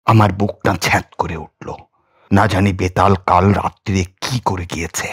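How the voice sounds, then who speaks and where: Low-voiced man narrating a horror story. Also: fairly even intonation, normal speed, slightly rough. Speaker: audiobook narrator.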